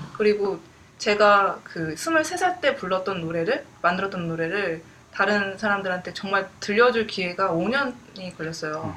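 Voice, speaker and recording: This woman talks in a normal speaking voice, pitched at a medium level. She moves at a fairly slow pace, and her pitch varies in an ordinary way. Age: 20s. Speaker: video content designer. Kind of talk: casual chat.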